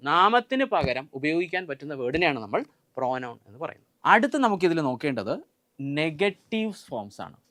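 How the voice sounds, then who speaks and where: High-voiced Malayali man drilling grammar. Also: fairly bright tone, no room sound. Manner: repetitive, drills lists aloud and quizzes viewers. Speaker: teacher. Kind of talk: exam-prep grammar lesson. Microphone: filmed by a camera operator.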